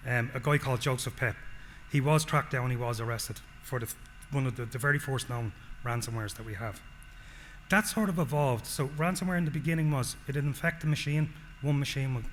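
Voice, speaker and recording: A man's voice: mid-range voice, a bit bright. Irish man presenting in a hall. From Ireland. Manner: explanatory, frequent "okay?" check-ins. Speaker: solutions engineer presenting. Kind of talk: conference presentation. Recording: long hall reverb, faint noise.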